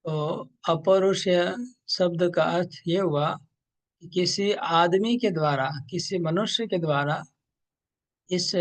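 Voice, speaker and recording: A man teaching a scripture class online, explaining slowly and emphatically, repeating points. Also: high voice. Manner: slow, emphatic, repetitive explaining.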